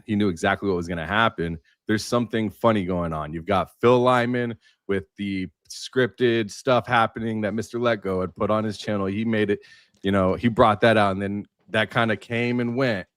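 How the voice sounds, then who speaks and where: A man's voice: on the low side, steady tone, normal speed, fairly bright tone, no echo, studio quality. A man talking casually as a panelist in a livestream roundtable discussion.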